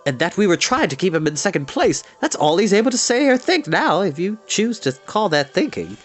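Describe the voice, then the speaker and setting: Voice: mid-range voice, big pitch swings, fairly quick, soft background music, pitched above the performer's own voice. A reader voicing a rueful male bard who boasts and then corrects himself, wry and theatrical. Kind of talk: audiobook character voice.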